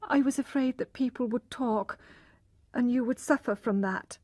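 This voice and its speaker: A woman voicing an ashamed young wife near tears, speaking in a high, trembling, pleading voice. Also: normal speed, darkish tone, no room sound, clean studio sound, natural voice. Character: tearful, ashamed young wife, humble and despairing.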